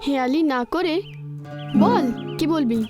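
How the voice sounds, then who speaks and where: A woman's voice: high voice, lively intonation, measured pace, over loud music. An actress playing a guarded, sarcastic young woman answering a friend's pushy questions. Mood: curt. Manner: curt, sarcastic. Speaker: film character. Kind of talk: film dialogue.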